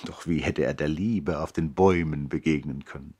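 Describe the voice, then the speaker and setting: Narrating a 1960s radio drama, an actor voices a nobleman telling the story of his brother's life. He speaks in a reflective bass with a breathy edge, deliberate and expressive in a literary style.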